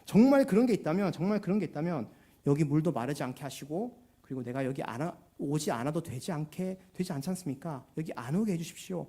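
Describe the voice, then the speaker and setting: A man's voice: sits high, expressive, fast talker, warm tone, breathy edge. A man voicing a skeptical woman at a well who mocks and challenges with pointed questions, in a church sermon. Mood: sarcastic.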